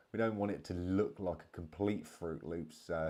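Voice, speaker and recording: Very clean recording with a silent background, a man's very deep, low pitch, ordinary pitch variation and a moderate pace. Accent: British. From England. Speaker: live show host. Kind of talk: casual live-stream chat. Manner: casual, slangy.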